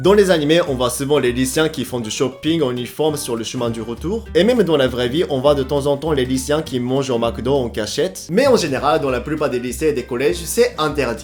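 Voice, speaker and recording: Over music in the background, a man talks at a fairly quick pace with a medium pitch and ordinary pitch variation. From Japan. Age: 20s. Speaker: YouTuber. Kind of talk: casual talk to camera. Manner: casual, conversational.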